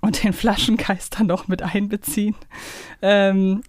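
A woman's voice: mid-range voice, flat delivery, measured pace, dry recording, studio quality. A woman chatting casually as a podcast co-host.

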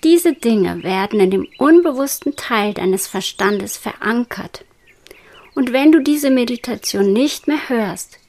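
A woman guiding a hypnosis meditation in a soft, slow whisper. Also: mid-range voice, vocal fry. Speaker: hypnosis guide.

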